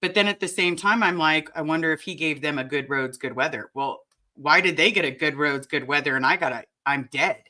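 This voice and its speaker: Raspy-voiced woman hosting a lively chat. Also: low voice, brisk. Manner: chatty and animated, addresses the chat directly. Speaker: livestream host. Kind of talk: casual chat.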